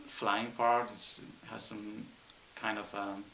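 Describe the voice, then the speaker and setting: A man from Spain with a Spanish accent, an engineer answering interview questions thoughtfully with frequent pauses and ums. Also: lowish voice, level tone, sharp tone, echoey room, slight background noise, rough recording. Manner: thoughtful, hesitant with many ums.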